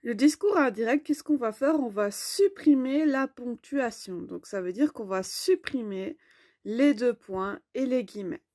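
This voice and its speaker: Slow, patient woman teaching grammar. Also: fairly high pitch, animated, mellow, no room sound, studio quality. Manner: slow, clear, explanatory. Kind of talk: online grammar lesson.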